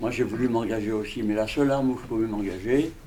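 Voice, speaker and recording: Heard with audible room echo, a man talks at a fairly quick pace in a medium pitch. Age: 90s. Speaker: war veteran. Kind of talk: testimony.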